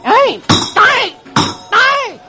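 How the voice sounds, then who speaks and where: A man voicing a shrill, scolding mother who shrieks and yells. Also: big pitch swings, brisk. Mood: shrieking. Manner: shrieking, yelling. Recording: dull old radio recording with music.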